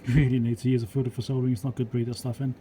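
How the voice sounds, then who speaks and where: Mellow-voiced man explaining electronics repair casually. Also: mid-range voice, little pitch movement, very fast, a little hiss or hum. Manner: rambling, matter-of-fact, thinking aloud.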